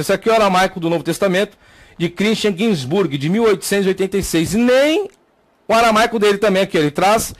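A man with a Brazilian Portuguese accent teaching a theology class, emphatic, repeating key words and pointing things out on a screen. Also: sits high. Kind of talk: classroom lecture with slides.

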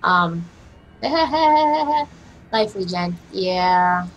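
Hoarse, raspy young woman streamer. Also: on the low side, animated, very slow, muffled recording. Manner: chatty, profane, talks to herself while playing. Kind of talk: casual gameplay commentary. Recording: game music behind voice. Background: game music.

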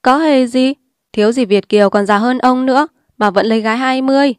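A woman's voice: sits high, a little fast, clear, resonant tone, dry recording, studio quality, lightly acted. Woman voicing a bitter, scornful young woman. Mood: brazen. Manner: blunt, scornful and sharp-tongued. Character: bitter defiant young woman, streetwise and mocking.

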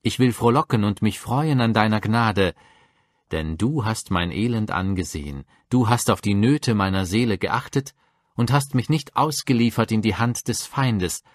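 A man reading psalms aloud for a Bible audiobook, measured and reverent. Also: on the low side, dry recording, clean studio sound. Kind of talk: solemn scripture reading.

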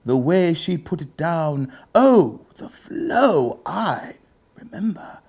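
A pompous lord acted out by a man delivers a comic dramatic reading in grand literary style. His pitch leaps and dips dramatically, and he lingers slowly over his phrases with theatrical pauses. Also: sing-song, vocal fry, a little mellow, breathy edge, exaggerated voice. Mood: theatrical, savoring. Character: pompous aristocratic gentleman host, reciting rap lyrics theatrically. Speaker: comedy show host. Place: book-lined indoor study set, seated.

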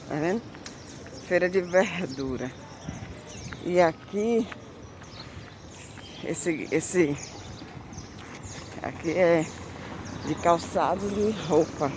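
A woman with a Bahian Brazilian accent gives a casual market tour at an unhurried pace. She points things out in short, repetitive exclamations. The phone recording has clear street and market noise around her. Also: on the low side. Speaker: vlogger. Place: street and large open-sided covered market. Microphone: handheld phone. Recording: noisy outdoor street and market ambience.

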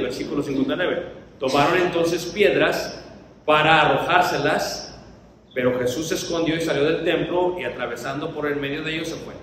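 A man's voice: on the high side, fairly bright tone, slight background noise. A man preaching a Bible lesson to his congregation, posing questions and answering them himself. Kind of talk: Bible teaching sermon. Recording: echoey hall, mic far off.

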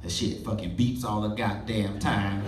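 A man in his thirties doing a stand-up comedy set on a club stage with a handheld mic, loud and animated with profane punchlines. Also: on the low side, normal speed, distant mic, noisy background. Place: comedy club stage before a live audience. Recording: roomy club audio, loud crowd laughter.

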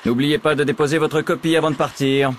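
An actor playing a middle-aged male teacher who gives an exam in a video game, with a dry, matter-of-fact delivery and deadpan humor. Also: on the high side, fast, slight background noise, lightly acted. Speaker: exam proctor. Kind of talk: game character dialogue.

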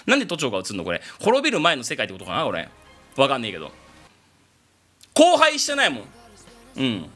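A man from abroad who speaks Japanese as a second language, giving a casual reaction commentary on an anime opening and breaking into loud exclamations. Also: mid-range voice, fast talker, long pauses, soft background music. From outside Japan. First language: not Japanese. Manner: excitable, bursts into loud exclamations.

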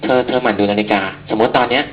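A man's voice: mid-range voice, fairly even intonation, racing. A young man teaching chemistry in a chatty, informal, encouraging classroom manner. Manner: chatty, informal, encouraging, calls himself big brother to students. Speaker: chemistry tutor. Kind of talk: casual classroom lecture. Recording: dull lo-fi classroom recording with faint hum.

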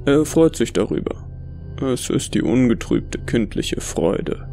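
A man reading a first-person horror story as scripted narration, in a measured, brooding storytelling manner. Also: medium pitch, lively intonation, gravelly, mellow, soft background music.

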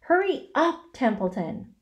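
A woman's voice: fairly high pitch, huge pitch swings, a little slow, highs cut off. A woman voicing a frantic, tearful young male pig who pleads urgently in a children's storybook. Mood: desperate. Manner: urgent, wailing exclamations.

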